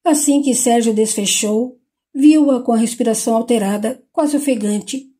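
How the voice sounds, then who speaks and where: A woman with a Brazilian Portuguese accent narrating an audiobook in an even, unhurried reading. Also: a little high, husky. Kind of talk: scripted narration.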